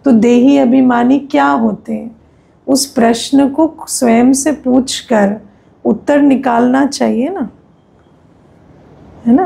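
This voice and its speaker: A woman's voice: high-pitched, gravelly, dark tone. A woman with an Indian accent giving an explanatory spiritual discourse, conversational and instructive, often posing questions to her listeners. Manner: didactic, conversational, often asks rhetorical questions and checks understanding. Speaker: spiritual teacher.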